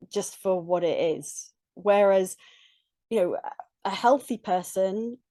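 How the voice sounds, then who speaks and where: A middle-aged woman, a relationship coach, speaking earnestly and reflectively in short halting phrases with restarts. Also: medium pitch, dry recording, clean studio sound. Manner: earnest, reflective, with frequent soft laughs. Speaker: relationship coach, podcast guest. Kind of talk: conversational interview.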